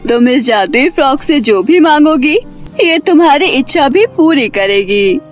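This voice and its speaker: A woman playing a kindly, reassuring witch of the forest in an animated storybook tale. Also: high-pitched, unhurried, faint music behind. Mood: helpful.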